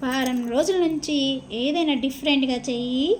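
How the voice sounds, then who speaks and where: A woman's voice: sits high, moderate pace, slight background noise, natural voice. A woman voicing a curious wife in a joke who asks pointed questions. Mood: questioning.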